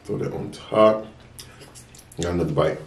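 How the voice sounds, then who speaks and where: A man's voice: sits low, moderate pace. A young American man chatting casually and slangily to his viewers as an eating-show vlogger, between mouthfuls. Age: young adult. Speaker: mukbang vlogger. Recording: roomy echo, distant mic.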